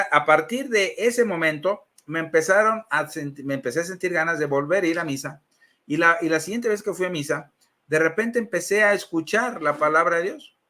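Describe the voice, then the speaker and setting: A middle-aged Mexican man giving a personal faith testimony, telling it as an animated story and acting out the quoted dialogue. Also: fairly high pitch.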